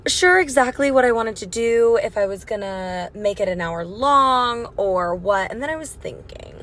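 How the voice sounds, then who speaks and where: A raspy young woman hosting a casual solo podcast, chatty and swearing freely, recorded on a phone mic in her car. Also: on the high side, lively intonation, normal speed, a bit bright. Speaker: podcast host. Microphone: phone microphone.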